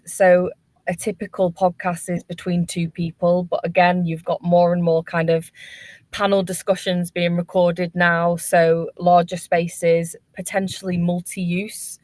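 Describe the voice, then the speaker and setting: Woman on a webinar panel, pretty flat delivery, dry close sound, considered answers. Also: lowish voice, no echo.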